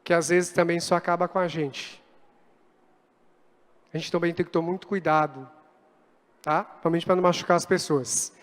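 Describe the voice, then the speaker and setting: A male pastor preaching a lively sermon, acting out quoted dialogue as he speaks. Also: on the high side, moderate pace, long pauses. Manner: animated, acts out quoted dialogue. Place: church hall. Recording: long church reverb.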